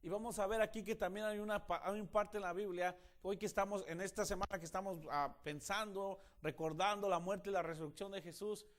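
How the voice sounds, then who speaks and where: A male pastor preaching a sermon, retelling a film as a dramatic story and dropping to a hushed voice at tense moments. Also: sits high, steady tone, brisk, few pauses. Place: church.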